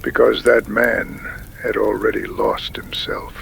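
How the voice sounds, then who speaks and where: A man playing a wise, solemn Native tribal chief in a frontier audio drama, speaking gravely with a breathy, gravelly voice that often drops to a whisper. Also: lowish voice, flat delivery, a bit bright, slight background noise, full character voice. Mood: grave, mystical. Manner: slow, measured, grave pronouncements.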